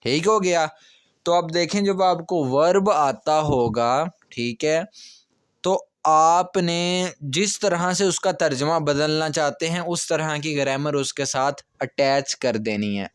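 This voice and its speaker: A man's voice: fairly high pitch, slow, clean tone, no room sound, clean studio sound. A man teaching a grammar lesson, explaining step by step and checking in with "okay" often. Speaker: language teacher.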